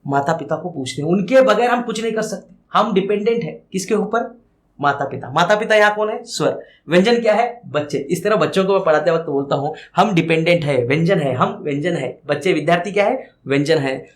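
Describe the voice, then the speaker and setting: High-voiced man teaching Hindi grammar. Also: lively intonation, a little fast. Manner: asks questions and answers them himself, repeats key words; stretches out vowels when demonstrating sounds. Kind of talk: classroom-style grammar lesson.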